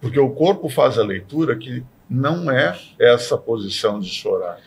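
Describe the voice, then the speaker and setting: A man in a podcast discussion who explains ideas with lively acted-out examples. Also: mid-range voice, normal speed, a little hiss or hum. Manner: animated, acts out everyday sayings in quoted voices. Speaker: podcast panelist.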